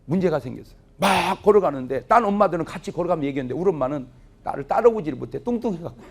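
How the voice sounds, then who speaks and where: Middle-aged male pastor, husky and animated, storytelling sermon that plays out family dialogue. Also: on the high side, racing. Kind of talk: revival sermon with humorous stories. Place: church revival meeting, audience laughing.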